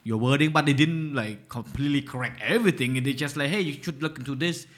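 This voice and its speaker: A man's voice: mid-range voice, quick pace, slight background noise. Chatty Cambodian man, second-language English. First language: Khmer. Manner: animated, laughs often, many fillers and restarts. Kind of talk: casual chat.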